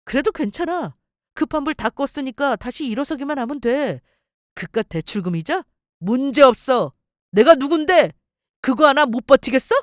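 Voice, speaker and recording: Brash, boastful, sneering husband in a story radio drama, voiced by a woman. Spoken a little high, in a close, dry voice that looks down on everyone. Scornful, self-important, and impatient. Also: lively intonation, moderate pace, dry recording. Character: arrogant cheating husband, company head, man. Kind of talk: story radio role-play.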